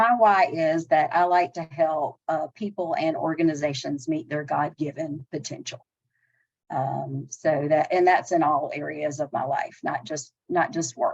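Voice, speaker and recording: A woman with a Southern US accent and a very deep, low pitch. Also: ordinary pitch variation, fairly slow pace. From US South. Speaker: HR consultant. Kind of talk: casual chat.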